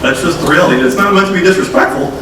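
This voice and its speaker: A man's voice: a little high, rapid-fire. A man presenting to a conference audience, talking directly and casually to the crowd, with a cold that is wearing his voice down. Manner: folksy, direct, addresses audience as folks. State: has a cold, losing his voice. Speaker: state transportation official. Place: conference room. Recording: echoey hall, distant mic, noisy.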